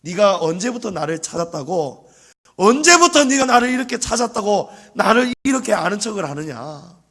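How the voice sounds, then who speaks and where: A man's voice: sits high, very animated, moderate pace, vocal fry, a bit bright, heavily acted. A male pastor speaking as God in a sermon, stern and scolding. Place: church sanctuary.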